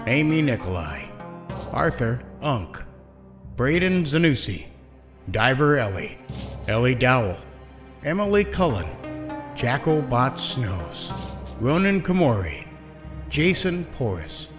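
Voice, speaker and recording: A man reading scripted end credits and thanks as the producer of a podcast. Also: medium pitch.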